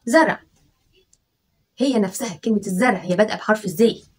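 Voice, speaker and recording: A woman's voice: mid-range voice, breathy edge. A woman teacher with an Egyptian Arabic accent, sounding out letters one by one for children in a patient, coaxing tone. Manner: stretches syllables out slowly, sounding letters one by one. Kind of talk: children's spelling and dictation lesson.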